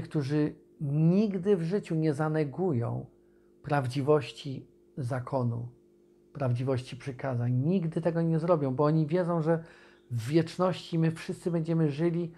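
A man preaching an informal video sermon, speaking conversationally with pauses and restarts and reading scripture aloud. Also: fairly high pitch, warm tone, slightly rough.

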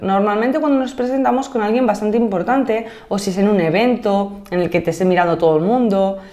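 A woman of thirty from Madrid with a Castilian Spanish accent, teaching a Japanese lesson on video. She explains each point clearly, slowing down to model phrases and checking in with "¿vale?". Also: medium pitch, a little mellow. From Spain (Madrid).

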